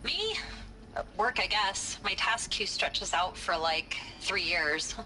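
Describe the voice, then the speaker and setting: An actress in her thirties playing a dry, wry scientist who makes deadpan complaints. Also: mid-range voice, takes it slowly, slight background noise, exaggerated voice, rough recording. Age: 30s.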